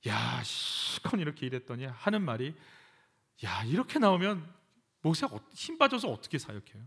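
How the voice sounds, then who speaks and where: A man's voice: a little high, very animated, moderate pace, gravelly, a bit bright, husky. A man, a pastor, preaching a sermon in a church, acting out prayers with emphatic repetition. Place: church sanctuary.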